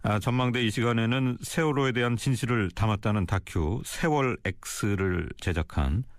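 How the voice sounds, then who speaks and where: A man's voice: on the low side, normal speed, dry recording, studio quality. A man hosting a formal radio interview, asking questions in an orderly, polite broadcast manner.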